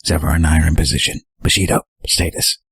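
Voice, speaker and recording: Superhero leader, played by a man: extremely low, husky, terse and brooding, dry recording. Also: level tone, fast talker, fairly bright tone, no room sound, full character voice. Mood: commanding. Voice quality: gravelly. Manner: terse, guarded. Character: gruff, brooding young male superhero team leader. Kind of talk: amateur audio drama acting.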